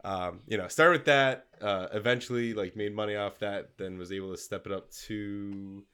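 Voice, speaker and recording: A man's voice: lowish voice, steady tone, moderate pace, sharp tone, clean tone. A man co-hosting a maker podcast, congested, chatting casually in a rambling way with many fillers and restarts. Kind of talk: casual chat.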